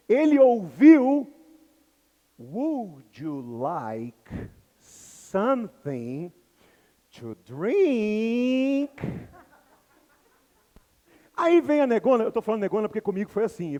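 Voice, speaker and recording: High-voiced man lecturing in a reverberant hall. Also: lo-fi sound. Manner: animated storytelling, acts out characters. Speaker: English teacher. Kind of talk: lively lecture with acted anecdotes.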